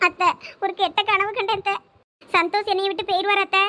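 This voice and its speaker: A woman's voice: very high-pitched, level tone, fast talker, sharp tone. A woman voicing a frightened, tearful young daughter-in-law in a cartoon with a Thoothukudi Tamil accent. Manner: tearful, fearful.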